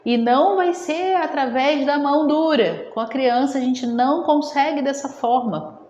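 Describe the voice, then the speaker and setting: Lady speech therapist teaching casually, lots of "right?", echoey room. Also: on the high side. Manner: conversational, frequent tag questions. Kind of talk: explanatory video lesson. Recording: roomy echo with long reverb.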